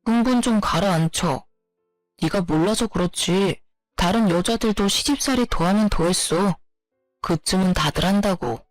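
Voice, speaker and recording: A woman's voice: medium pitch, normal speed, no echo, faint music behind, close to an everyday voice. A woman voicing a selfish, dismissive husband who brushes off complaints, in a storytelling narration. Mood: lecturing. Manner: offhand, dismissive.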